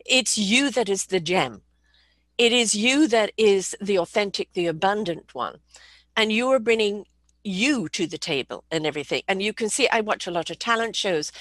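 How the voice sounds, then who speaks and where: A woman hosting an interview, animated and encouraging, who laughs often while asking questions. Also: medium pitch, normal speed, no echo. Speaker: interview host. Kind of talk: conversational interview.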